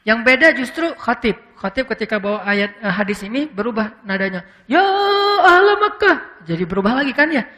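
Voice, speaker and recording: A man preaching in a casual, conversational lecture, with frequent fillers and English words mixed in. He slows into a solemn voice when acting out quoted speech. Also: high voice, animated, bright, forceful tone, big-room sound. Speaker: Islamic preacher.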